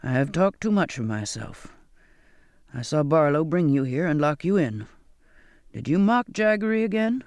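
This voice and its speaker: A man voicing a kindly, earnest Black sailor in an audiobook, with a measured, coaxing, questioning manner. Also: a little high, big pitch swings, darkish tone, dry recording. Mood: sombre. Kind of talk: audiobook character dialogue.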